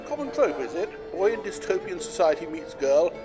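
An actor playing a touchy, witty literary gentleman in a comedy audio drama, bookish, sardonic and defensive. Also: sits high, big pitch swings, normal speed, over music.

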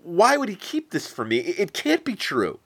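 A man's voice: high voice, wildly swooping pitch, normal speed, husky, pitched above the performer's own voice, heavily acted. A man doing an earnest, pleading young prince. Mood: alarmed. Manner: earnest, emphatic.

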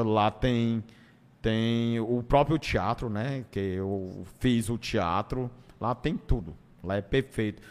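A man with a northeastern Brazilian accent, telling stories casually as an interview guest, in a colloquial way that acts out bits and repeats phrases. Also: lowish voice. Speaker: stand-up comedian, interview guest. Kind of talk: casual conversational storytelling. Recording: long hall-like reverb.

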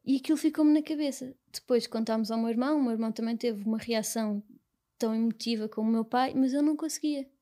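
A young woman with a European Portuguese accent, speaking as an interview guest in a soft, halting, reflective way. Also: on the high side. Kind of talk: personal conversation.

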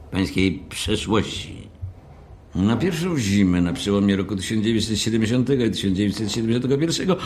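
An actor playing a pedantic, haughty hotel manager who speaks in a formal, fussy, long-winded way in an audio drama. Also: male voice, lowish voice, slight background noise, lightly acted.

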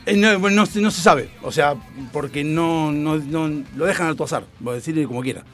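A man's voice: on the high side, fairly quick, a bit bright, faint music behind. A young man with a Rioplatense Spanish accent telling a story in casual, crude slang and acting out quotes. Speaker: storyteller host.

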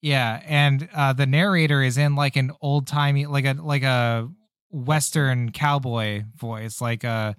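Smooth-voiced man chatting casually. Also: medium pitch, a little slow, dry recording, studio quality. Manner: relaxed, rambling with many fillers. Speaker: podcast co-host. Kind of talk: casual chat about game demos.

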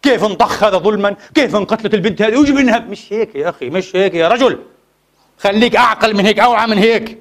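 A man preaching a Friday sermon in a mosque, speaking. His voice sits very high and races along at a breakneck clip. He presses the congregation with impassioned rhetorical questions. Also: racing.

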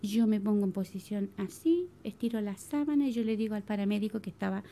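A church member, a middle-aged woman with a Chilean accent, talks fast in a medium-pitched voice as she gives a religious testimony to the congregation. She tells her story with animation and refers to her listeners as brothers.

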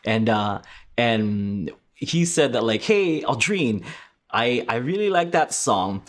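A man's voice: mid-range voice, animated, takes it slowly. A man in his thirties from the Philippines, hosting a casual podcast and telling stories with many fillers and restarts. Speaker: podcast host.

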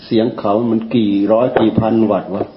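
A man's voice: lowish voice, flat delivery, fairly quick, over a noisy crowd. A male Buddhist monk giving an informal dhamma talk, rambling and conversational, often repeating his words. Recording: echoey, dull lo-fi with faint birds.

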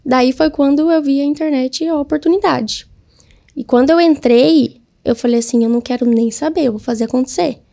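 A woman's voice: sits high, a little fast, creaky, warm tone. A woman, a guest entrepreneur, telling her story in a casual interview and acting out her own past words.

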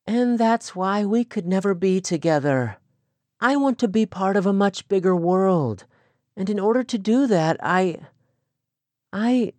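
A man's voice: sits high, animated, unhurried, a little mellow, no echo, pitched above the performer's own voice. A male audiobook narrator voicing a spirited, restless young Amish woman who talks in an earnest, pleading way. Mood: frustrated.

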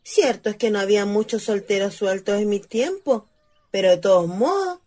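A woman's voice: mid-range voice, lively intonation, normal speed, dark tone, natural voice. An actress playing a young rural Chilean ghost girl in a radio play, wistful and cheeky, with a dreamy girlish manner. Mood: cheeky, teasing. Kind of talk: radio theatre acting.

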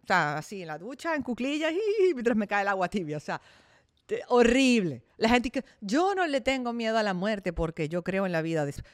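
A woman's voice: medium pitch, sing-song, moderate pace, no room sound, clean studio sound. A woman in her thirties hosting her own podcast, talking candidly and chattily about her life and sometimes acting out her own thoughts. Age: 30s. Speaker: podcast host. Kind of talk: casual personal monologue.

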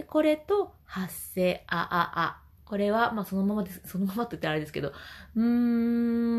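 A woman vocal trainer explaining voice exercises gently and singing short demonstrations. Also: mid-range voice. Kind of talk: voice training lesson.

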